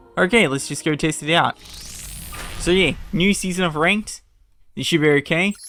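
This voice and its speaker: The pace of the speech is moderate. Behind it, music can be heard. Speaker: gaming youtuber. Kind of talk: gameplay commentary. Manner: casual, conversational.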